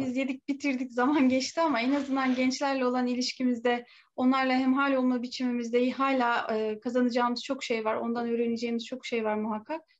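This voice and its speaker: A woman speaks at a fairly quick pace in a high voice. Her intonation stays monotone and flat. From Turkey. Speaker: interviewer. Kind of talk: formal interview. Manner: formal. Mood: calm, polite, earnest. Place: home room. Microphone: video call.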